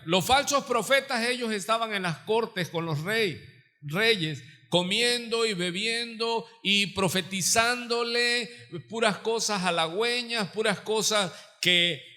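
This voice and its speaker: A male pastor delivers a live Sunday sermon in a church sanctuary. His voice is high and bright, climbing into fervent, emphatic preaching as he keeps calling the congregation brother. The live recording carries a long, hall-like reverb. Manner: rising to fervent preaching, stressing words; addresses listeners as "hermano".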